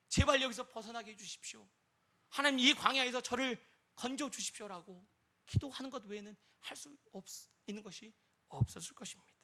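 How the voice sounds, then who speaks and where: A man pastor preaching a sermon, asking the congregation rhetorical questions and moving between loud, emphatic lines and quiet asides. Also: high-pitched.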